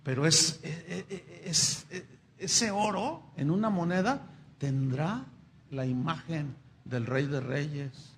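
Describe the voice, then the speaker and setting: Middle-aged pastor preaching in church, kinda high gravelly voice, keeps asking the crowd questions, bit of hiss. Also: male voice, takes it slowly, fairly bright tone. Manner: conversational preaching with frequent rhetorical questions. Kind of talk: sermon.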